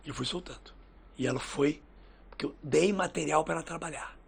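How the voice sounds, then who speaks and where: Husky, gravelly man telling stories. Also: on the high side, fairly quick. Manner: lively storyteller who acts out quoted dialogue. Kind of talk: casual podcast chat, storytelling.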